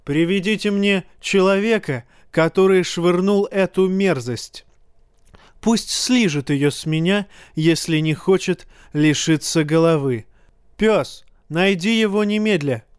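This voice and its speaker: A man's voice: high voice, unhurried, smooth, no echo, clean studio sound, pitched above the performer's own voice. A man doing a raging young king. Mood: furious. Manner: shouting imperious commands. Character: cruel hot-tempered young male king.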